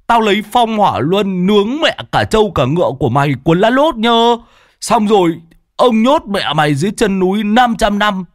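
A man's voice: moderate pace, dry recording, studio quality. A man voicing a rowdy, scarred old man who taunts and jokes crudely. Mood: taunting. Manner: shrill, taunting, excitable.

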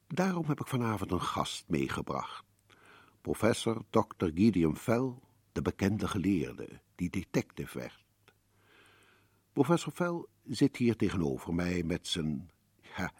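A man's voice: low-pitched, slightly rough, no echo, full character voice. The sinister man in black. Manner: silky, relishing dread. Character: sinister male host in black, sly and macabre. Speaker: host of a horror radio play. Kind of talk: 1950s radio drama narration.

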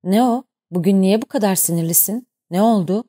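A woman's voice: medium pitch, a little fast, dark tone, lightly acted. Woman voicing a barking, domineering ship captain. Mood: mocking, cold. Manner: barking, scornful.

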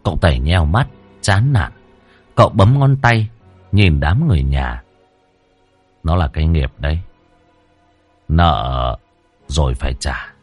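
A man narrating a ghost story in a dramatic, expressive reading. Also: rumbling low, measured pace, long pauses, slightly rough, faint music behind.

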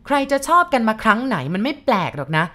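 A woman voicing a sharp-tongued, furious widow who shouts and scolds. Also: fairly high pitch, sing-song, extremely slow, pitched above the performer's own voice, full character voice. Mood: indignant.

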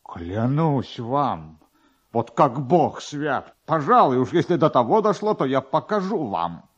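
A man's voice: medium pitch, big pitch swings, measured pace, breathy edge. A man voicing an agitated, self-important male government official, flustered and insistent, in a dramatised literary reading. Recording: dull, lo-fi archive radio recording.

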